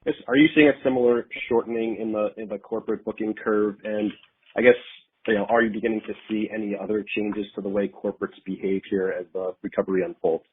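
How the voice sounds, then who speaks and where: A man's voice: lowish voice, steady tone, fast, husky. A man asking unscripted questions as a financial analyst on an earnings call. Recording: narrow muffled phone line.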